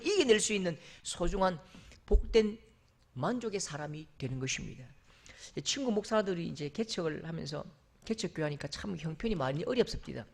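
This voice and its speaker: A male pastor preaching a sermon in a church sanctuary, emphatic, rising to loud exclamations and dropping to soft asides. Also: sits high.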